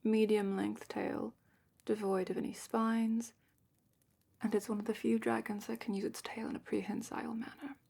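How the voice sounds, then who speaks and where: A woman playing a gentle, knowledgeable dragon keeper in a fantasy ASMR roleplay, speaking in a hushed, breathy, unhurried way that often drops into a whisper. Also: fairly high pitch, flat delivery. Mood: hushed, informative. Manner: hushed, unhurried, careful explaining.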